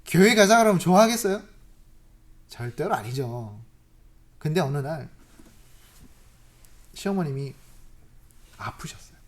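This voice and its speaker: A preacher delivers a sermon at a church service and tells a long story. The delivery is animated, with loud, emphatic peaks, hushed asides and frequent rhetorical questions to the congregation. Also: mid-range voice.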